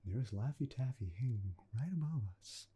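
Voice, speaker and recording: Close to the mic, a man voices a kindly, earnest video game repairman for an ASMR roleplay, staying gentle, folksy and unhurried as he drifts toward a whisper. His medium-pitched voice is animated with a breathy edge, telling stories wistfully.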